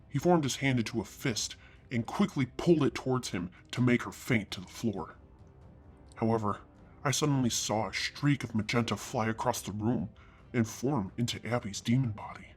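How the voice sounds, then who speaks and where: A man reading a first-person fantasy story aloud, with an earnest husky delivery that climbs into anger on the hero's lines. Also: mid-range voice. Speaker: story reader.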